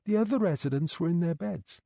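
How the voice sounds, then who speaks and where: A woman's voice: on the low side, fairly quick, gravelly, mellow, no echo, studio quality, pitched above the performer's own voice. A man voicing a tearful young care worker woman. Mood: worried. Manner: tearful, worried, pleading. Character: anxious young female night care worker.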